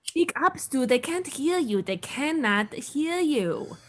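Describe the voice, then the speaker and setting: A woman's voice: sits high, sing-song, slow, heavily acted. A woman playing a fussy, flustered vampire who explains and coaxes, in a comedy table read. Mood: urging. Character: fussy, flustered vampire host defending a guest.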